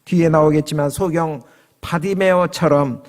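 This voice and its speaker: A man's voice: fairly high pitch, fairly even intonation, normal speed, a little mellow. A man preaching a sermon as pastor, switching into raised voices for quoted lines. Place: church sanctuary. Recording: long reverb of a church hall.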